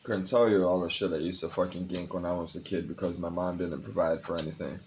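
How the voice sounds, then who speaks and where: A man's voice: sits low, flat delivery, fast talker, a little mellow, a little hiss or hum. A young man talking casually and confessionally to his vlog audience, rambling, cursing freely and sounding tired. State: tired, a bit high. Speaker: vlogger. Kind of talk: casual personal vlog talk.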